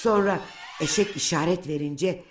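A woman's voice: lowish voice, moderate pace. A woman narrating a scripted fairy tale for children as the storyteller. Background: prominent music.

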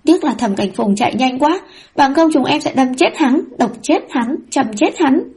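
A woman's voice: on the high side, fast, close to an everyday voice. Woman putting on a whiny teenage disciple boy. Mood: wailing. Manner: whiny, excitable.

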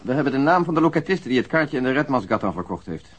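An actor in a radio drama playing a methodical police detective, precise and matter-of-fact. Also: male voice, mid-range voice, sing-song, fast, husky. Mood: factual, precise. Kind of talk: Dutch radio drama acting.

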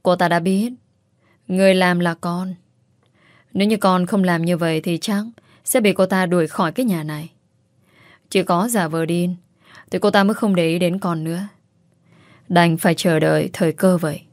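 A woman's voice: on the low side, steady tone, moderate pace, long pauses, a little mellow, dry recording, clean studio sound, close to an everyday voice. A woman voicing a scheming young wife who fakes madness, speaking coldly and calculatingly. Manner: cold, calculating.

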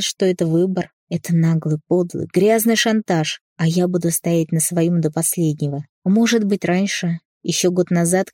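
A woman reading a first-person novel aloud as an audiobook narrator, in an even storytelling manner. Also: on the low side, no room sound, studio quality.

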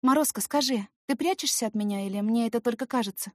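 A confident, teasing young student woman in an audiobook, acted by a woman narrator. She speaks softly and playfully in a raised, coaxing voice, recorded very dry. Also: fairly high pitch, fast, no echo, pitched above the performer's own voice, lightly acted. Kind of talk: scripted audiobook character voice.

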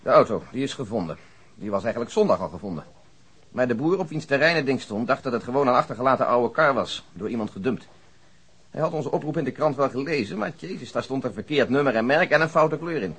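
An actor playing a calm, practical male police detective with a husky voice, keeping the peace in a radio drama. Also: mid-range voice. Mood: matter-of-fact. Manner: measured, conciliatory, matter-of-fact.

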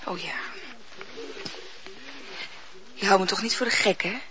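An actress playing a gruff, lonely young woman who gives lessons to a boy, in an old radio drama. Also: mid-range voice, fast talker, a bit bright, dull audio, natural voice. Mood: softening.

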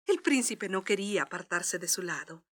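A woman's voice: mid-range voice, expressive, moderate pace. A woman narrating a scripted children's story as a storyteller.

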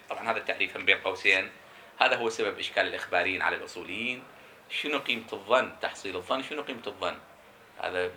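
Guy teaching seminary class, super bright cutting voice, keeps asking and answering himself. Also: fairly low pitch, a little hiss or hum. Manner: emphatic, explaining with rhetorical questions; repeats key terms slowly for emphasis. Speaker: teacher of Islamic jurisprudence. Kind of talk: seminary lecture.

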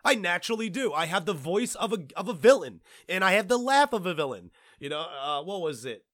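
A man hosting a podcast, talking in a casual, rambling and excitable way, tripping over his words and swearing now and then. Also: sits high, a little fast, dry recording, studio quality. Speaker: podcast host and producer.

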